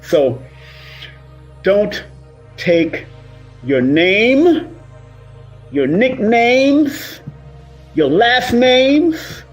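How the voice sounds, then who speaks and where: A man's voice: very high-pitched, sing-song, extremely slow, long pauses, soft background music. A man talking casually and motivationally as a numerologist livestreaming, emphatic and repetitive, rolling his R's. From Cuban and Jamaican heritage. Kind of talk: casual motivational monologue to live viewers.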